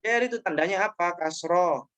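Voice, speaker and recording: A man's voice: sits high, moderate pace, fairly bright tone. A man teaching grammar in an online class, explaining patiently and repeating each point with short checking tags.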